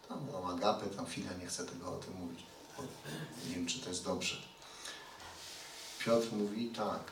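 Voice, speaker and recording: A man's voice: lowish voice, a little hiss or hum. A man giving a chatty sermon who keeps asking the congregation questions. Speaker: preacher. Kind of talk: conversational sermon. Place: church hall. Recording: roomy hall, mic at a distance.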